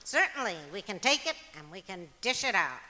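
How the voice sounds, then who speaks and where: A woman's voice: mid-range voice, big pitch swings, fairly quick, bright, forceful tone. A woman playing a wry, exasperated, bossy wife in an old-time radio comedy. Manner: wry, scolding. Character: exasperated, teasing wife, bossy but fond. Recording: echoey auditorium stage.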